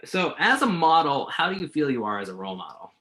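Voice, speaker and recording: Male journalist, acted by a man, stage drama reading: bright, expressive pitch, blunt, hesitant, wounded pride. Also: quick pace. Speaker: actor in a virtual staged reading. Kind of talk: naturalistic play reading.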